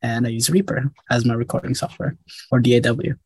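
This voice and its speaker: A man from Somalia, a guest music producer, talking casually and softly in an interview, with laughs between phrases. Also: mid-range voice, a little fast, slightly rough, no room sound.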